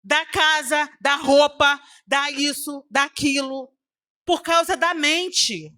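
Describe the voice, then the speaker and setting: High, bright-voiced woman preacher. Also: slow pace. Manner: emotional storytelling that acts out the dialogue; preachy asides to the audience. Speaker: preacher giving her testimony. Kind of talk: testimonial sermon.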